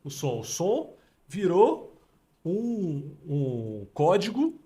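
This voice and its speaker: A Brazilian man hosting a casual podcast, explaining with emphatic metaphors in an animated way. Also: a little high, drawn-out words. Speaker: podcast host.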